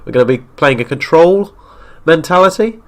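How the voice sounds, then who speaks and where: A man with a stuffy nose from a cold, calling football game highlights as play-by-play commentary and getting excited at near misses. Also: normal speed. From Wales. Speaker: gaming YouTuber.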